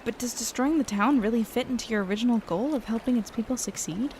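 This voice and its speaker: A woman's voice: a little high, fast talker, a little mellow, a little hiss or hum, natural voice. A woman playing a level-headed, conciliatory young negotiator in an audio drama, speaking earnestly and casually as she reasons. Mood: earnest, diplomatic.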